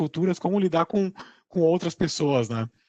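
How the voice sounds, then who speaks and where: A man with a Rio Grande do Sul accent talks in a dry, close sound with no echo. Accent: gaúcho (Rio Grande do Sul). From southern Brazil (Rio Grande do Sul). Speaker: admissions director giving a talk to students. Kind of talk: online lecture to university students. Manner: halting, many fillers and repetitions.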